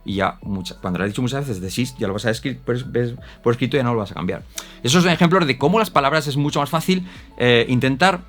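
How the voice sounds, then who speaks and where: Man explaining English pronunciation. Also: mid-range voice. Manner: animated, demonstrates pronunciations with exaggerated examples. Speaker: English teacher. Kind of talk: explanatory teaching talk.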